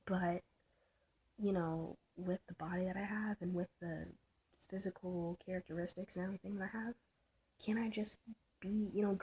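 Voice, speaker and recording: A trans man with a soft, light voice, thinking aloud in a personal vlog, halting and searching, often trailing into a whisper. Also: high voice, a little hiss or hum, rough recording. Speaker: vlogger. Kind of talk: personal reflective vlog monologue.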